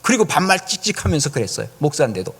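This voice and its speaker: Animated male pastor telling a story. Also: fairly high pitch, racing, breathy edge. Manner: lively storytelling with acted-out quotes and questions to the congregation. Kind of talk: sermon. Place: church.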